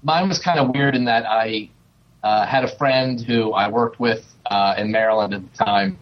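A man in his forties chats as a guest on a talk show, pausing often on fillers as he speaks. His voice sits fairly low. The recording is dull and lo-fi. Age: 40s. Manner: chatty, hesitant with many fillers. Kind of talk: casual interview chat.

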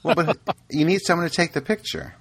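A man hosting a casual podcast chat, laid-back and quick to laugh. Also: on the high side, fairly bright tone, slightly rough. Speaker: podcast host.

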